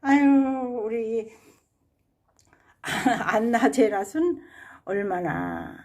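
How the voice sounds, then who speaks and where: A woman's voice: a little high, sing-song, drawn-out words, darkish tone. A woman hosting a gardening vlog, chatting fondly about her plants with frequent sighing exclamations as she walks through her balcony garden. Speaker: gardening channel host. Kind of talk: casual walkthrough vlog.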